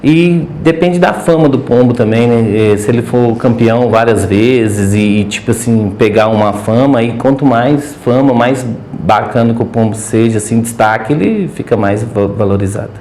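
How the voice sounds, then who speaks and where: A Brazilian man with a Minas Gerais Portuguese accent, a podcast guest who breeds homing pigeons, talks hesitantly with many restarts in a casual interview chat. His mid-range, mellow voice moves at a moderate pace with few pauses, and the audio sounds roomy with a little hiss or hum.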